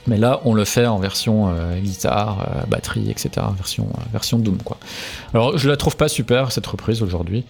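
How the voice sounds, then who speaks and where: A man with a low, gravelly voice talks through his band's records in a casual interview. He hesitates a lot, filling gaps and restarting phrases. Faint music plays under the talk. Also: moderate pace, a little mellow. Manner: hesitant, many fillers and restarts. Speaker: musician guest.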